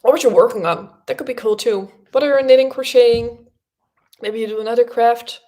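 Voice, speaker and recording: A woman's voice: on the high side, a little fast, dark tone. A young woman whose first language is Dutch, chatting casually and rambling with many fillers as host of a livestream podcast.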